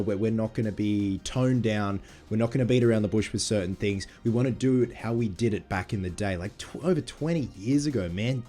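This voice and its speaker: A man in his thirties talking casually to camera, with a husky, congested voice from a sinus infection. He sounds excitable and swears casually. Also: medium pitch. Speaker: movie vlogger.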